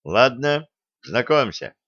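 A man's voice: mid-range voice, big pitch swings, slow pace, fairly bright tone, no room sound, dull audio, full character voice. A man voicing a stern, strict karate sensei with a curt way of speaking.

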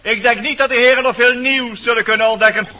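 A fussy, solemn storybook dwarf with a very high voice and formal phrasing. The old radio recording is noisy, dull and distant. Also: male voice, steady tone, fast. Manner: formal, officious. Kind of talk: radio play acting.

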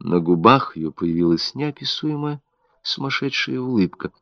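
A man narrating an audiobook with an expressive, dramatic delivery. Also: mid-range voice, moderate pace, creaky, no echo. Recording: dull, dry audiobook recording.

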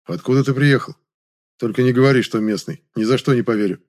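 A man's voice: medium pitch, quick pace, a little mellow, close to an everyday voice. A man reading an audiobook, voicing a blunt, wary middle-aged male police officer with a questioning manner. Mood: probing.

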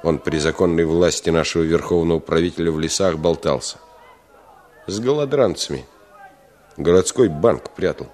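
Actor as a deep-voiced, sly village schemer. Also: male voice, moderate pace, darkish tone, close to an everyday voice. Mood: insistent, conspiratorial. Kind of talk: Russian radio drama acting.

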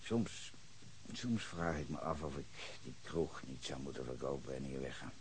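An actor playing a bitter, hard-drinking former sea captain under questioning, brooding low then flaring into furious shouts in a radio drama. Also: male voice, expressive, moderate pace, slight background noise. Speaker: suspect questioned by detective.

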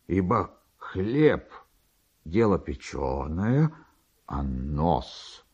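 A man's voice: fairly low pitch, warm tone, breathy edge, lo-fi sound, exaggerated voice. Man playing a timid, bewildered henpecked barber. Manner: hesitant, muttering, pleading.

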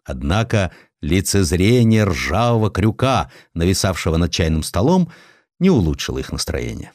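A man narrating historical sketches as a dramatised audiobook, in a theatrical, expressive way. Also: low-pitched, normal speed, no echo, clean studio sound.

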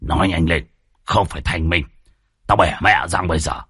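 A man voicing a domineering older village chief who is gruff, bullying and threatening. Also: rumbling low, animated, moderate pace, dry recording, studio quality, pitched below the performer's own voice, heavily acted. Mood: menacing.

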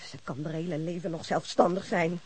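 A woman's voice: fairly low pitch, steady tone, fairly quick, a little mellow, husky, rough recording. An actress playing a nagging, indignant middle-aged mother with a Netherlands Dutch accent in a radio drama, complaining and sarcastic. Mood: insistent, pleading.

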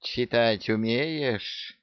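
A man's voice: fairly low pitch, big pitch swings, unhurried, no echo, highs cut off, heavily acted. A man voicing a fierce, domineering female genie who hisses sarcastic threats in a storybook reading. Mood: menacing. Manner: hissing, sarcastic.

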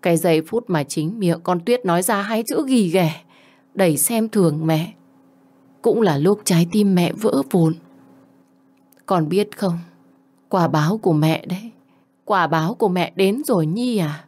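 A woman's voice: on the low side, a little slow, pauses often, a little mellow. A woman voicing a middle-aged mother who speaks in a choked, pleading way, full of remorse and begging her daughter's forgiveness. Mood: anguished.

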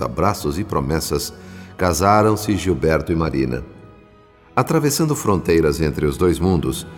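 A man with a Brazilian accent playing a solemn, reflective spirit narrator in a scripted radio drama. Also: low voice. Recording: long reverb, music behind.

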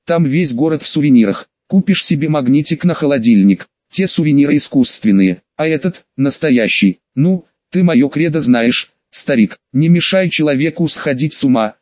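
Man, audiobook narrator, steady reading, slightly high voice, dry close mic, dull muffled sound. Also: normal speed, few pauses, no room sound. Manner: steady reading, drops lower for characters' lines.

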